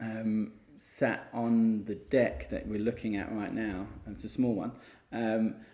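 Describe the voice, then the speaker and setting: His tone is dark and mellow, and his intonation is monotone and flat. The man speaks at a fairly slow pace, with big swings in loudness. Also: medium pitch for a man. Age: 40s. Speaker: podcast guest. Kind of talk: casual interview chat. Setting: outdoors on a home deck. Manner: hesitant, many fillers.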